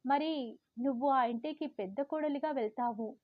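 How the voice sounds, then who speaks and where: A woman's voice: high-pitched, moderate pace, no echo, muffled recording, natural voice. A woman voicing a younger teenage sister who slyly teases her older sister. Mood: teasing.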